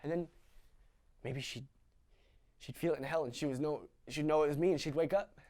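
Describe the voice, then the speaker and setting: A man's voice: fairly high pitch, fairly quick, lightly acted. A young male actor playing a young man who recounts a traumatic childhood in a dramatic stage monologue, raw and confessional. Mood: hushed, trembling. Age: young adult. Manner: raw and confessional, swinging between hushed recollection and sobbing screams.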